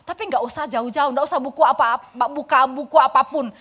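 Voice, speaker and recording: Animated high-voiced woman preaching a sermon. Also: brisk. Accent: Indonesian. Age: 40s. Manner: animated, swings from loud pleading to soft confiding. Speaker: pastor. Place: church sanctuary.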